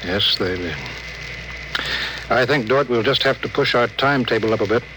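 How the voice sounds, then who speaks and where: An actor playing a stern, weary starship captain who gives clipped, commanding orders in a 1950s radio drama. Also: male voice, mid-range voice, normal speed, lightly acted. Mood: grim. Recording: hissy old radio broadcast.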